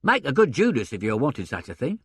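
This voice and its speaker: A man's voice: medium pitch, wildly swooping pitch, quick pace, slightly rough, no room sound, clean studio sound, voice pushed up. A man voicing a blunt, talkative older theatrical agent who speaks in a colloquial, opinionated way. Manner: colloquial, drops grammar, chuckles, opinionated. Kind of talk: audiobook character reading.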